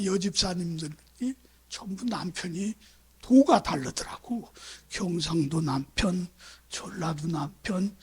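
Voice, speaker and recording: A husky, high-sitting voice carries this Chungcheong pastor's sermon through the church sanctuary. He preaches like he's telling a story, chatting and throwing rhetorical questions at the congregation.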